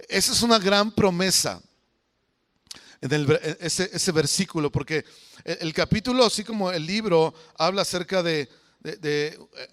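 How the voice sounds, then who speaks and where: A man's voice: sits high, fairly bright tone. A man preaching a conversational sermon as pastor, often putting questions to the congregation. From Mexico.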